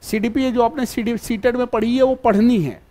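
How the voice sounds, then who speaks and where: A man's voice: very high-pitched, fairly even intonation, a little fast, mellow. A man teaching a live online exam-prep class, fatherly and repetitive, always checking whether his students follow. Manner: fatherly, keeps calling students "beta" and checking if they follow.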